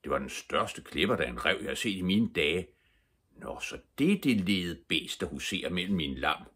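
A flustered old farmer, fretful and anxious, his voice leaping up high into strained calls, as a man reads him aloud. A storybook figure from a read-aloud, not a polished drama. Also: very animated, slightly rough, heavily acted. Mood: wry. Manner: anxious, calling out loudly.

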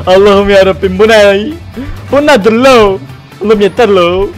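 A man streaming a game live, excitable and talkative, yelping and shouting at the action while chatting to viewers. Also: high-pitched. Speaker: gaming streamer.

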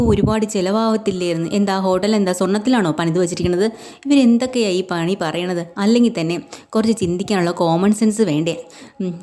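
A woman's voice: medium pitch, warm tone, close to an everyday voice. A woman voicing a resentful young wife who complains indignantly, in a retold family story.

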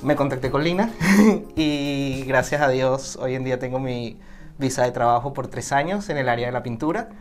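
A man, a guest telling his own story in a relaxed, reflective way in a small office. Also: mid-range voice, moderate pace, faint music behind. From Venezuela. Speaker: interview guest. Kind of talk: casual personal account.

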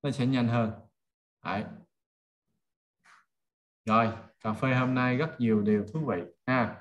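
A man with a Southern Vietnamese accent speaks as an online marketing trainer. His pitch is average and his delivery is informal, built on everyday examples and rhetorical check-in questions. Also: fairly even intonation, measured pace. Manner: conversational, checks listeners follow with rhetorical questions. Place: indoors on a video call.

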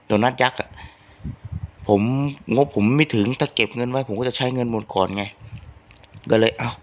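A man's voice: medium pitch, moderate pace. Rambling man chatting to his followers. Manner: rambling, homely, many fillers. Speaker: channel host. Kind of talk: casual chat to followers. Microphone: phone microphone.

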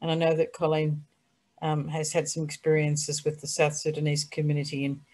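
A woman's voice: low voice, monotone, brisk, a little mellow. An older woman chatting as a panelist on a video call, trailing off with ums as she passes the floor to others. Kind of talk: panel discussion. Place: small room indoors.

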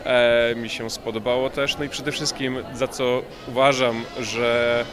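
A man's voice: medium pitch, little pitch movement, unhurried, over music. A man in his thirties, a contest laureate, speaking into a handheld news mic in a rambling way full of fillers. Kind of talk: news interview. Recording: crowd noise behind.

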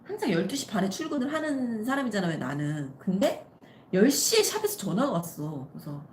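A woman's voice: mid-range voice, a little fast, noisy background. A woman in her thirties, a nail artist hosting her channel, telling a story casually on a live stream and acting out the people in it. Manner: animated, acts out quoted people in the story. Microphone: live-stream setup. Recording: roomy echo with faint ambience.

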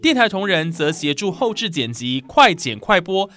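A woman's voice: on the low side, big pitch swings, moderate pace, a bit bright, no room sound. A woman with a Taiwanese Mandarin accent reading scripted news narration as a reporter.

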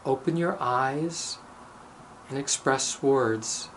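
Very slow-paced man leading guided meditation. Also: mid-range voice, fairly bright tone, slight background noise. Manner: measured, deliberate, pausing between short phrases. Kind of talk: guided meditation with recited blessings.

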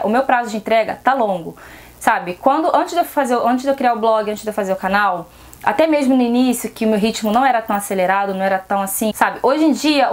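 High-voiced Brazilian woman giving frank advice. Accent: Brazilian Portuguese. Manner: frank, direct, asks rhetorical questions. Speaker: seamstress vlogger. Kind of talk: casual advice vlog.

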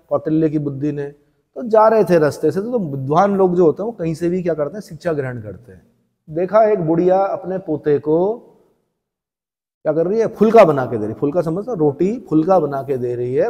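A male teacher with a northern Indian Hindi accent lectures a class, drilling each point by firing it back as a question. His voice sits fairly high yet mellow in tone. The recording carries a long hall reverb. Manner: folksy storytelling asides.

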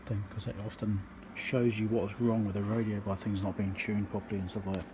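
At a workbench, a man talks through electronics repair casually and matter-of-factly, thinking aloud in short fragments in unscripted commentary. His lowish voice is fairly quick with little pitch movement, captured on a noisy hand-held workshop recording.

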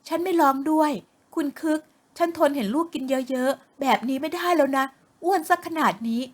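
A woman voicing a worried, exasperated middle-aged mother who speaks loudly. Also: sits high, fairly even intonation, brisk, pitched above the performer's own voice, natural voice. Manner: loud, exasperated.

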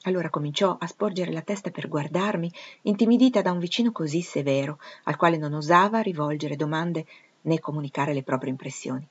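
A woman narrating a classic novel as an audiobook, in an even, careful reading voice. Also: deep voice, a little fast, slightly rough, lo-fi sound. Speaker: audiobook reader.

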